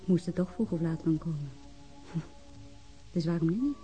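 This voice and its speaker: Soft, mellow, intimate woman played by an actress. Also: fairly low pitch, unhurried, soft background music, close to an everyday voice. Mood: teasing, intimate. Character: intimate, gently teasing younger woman, detective's confidante. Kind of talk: intimate radio drama acting.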